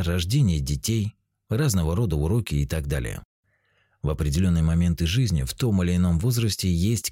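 A man in his forties calmly explaining spiritual ideas, speaking straight to the listener as narrator of a self-help book. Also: sits low, dry recording, clean studio sound. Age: 40s. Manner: calm, explanatory, addresses the listener directly.

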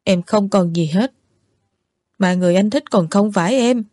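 A woman's voice: medium pitch, normal speed, dark tone, dry recording, studio quality, natural voice. A woman voicing a drunk, petulant young man who accuses his lover of not caring, in a storybook reading. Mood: accusing. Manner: sulky, accusing reproaches.

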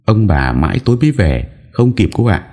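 A man's voice: on the low side, sing-song, fairly quick, dark tone, voice pushed up. A man voicing a kind young male servant who explains earnestly and anxiously.

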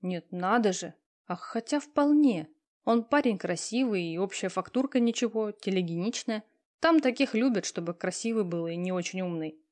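A woman voicing a pushy, talkative young female friend who teases and lectures loudly. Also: medium pitch, lively intonation, moderate pace, natural voice. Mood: bossy. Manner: loud, teasing, talkative.

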